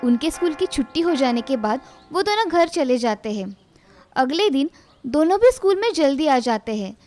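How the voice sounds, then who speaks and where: A woman narrating a moral cartoon story in a plain, steady storybook manner. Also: high voice, normal speed, soft background music.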